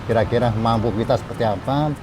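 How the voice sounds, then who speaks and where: A man's voice: medium pitch, fast. Older man, hesitant, music behind. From Indonesia. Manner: hesitant, plain storytelling with restarts. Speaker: restaurant owner and former chef. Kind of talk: casual interview.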